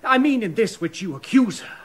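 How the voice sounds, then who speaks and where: An actor playing an earnest, pleading lord at court in a classic verse radio play. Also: male voice, sits high, lively intonation, brisk, breathy edge.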